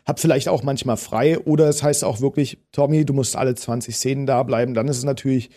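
A warm, medium-pitched male voice with fairly even intonation moves at a quick pace. He is a thirtysomething actor from Potsdam, Germany, with a Berlin dialect, chatting through an interview with plenty of fillers and restarts.

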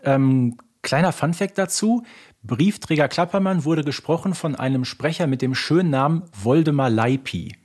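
A man's voice: on the high side, normal speed, darkish tone, breathy edge. A man co-hosting a podcast, chatting casually and explaining bits of trivia and detail. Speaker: podcast co-host.

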